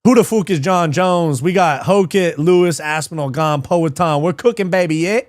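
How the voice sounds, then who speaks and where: A man's voice: fairly high pitch, normal speed, dry recording, clean studio sound. A man casually breaking down fights on a livestream, swearing, laughing and replying to live chat. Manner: profane, excitable, reads live chat, laughs often. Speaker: livestream MMA show host.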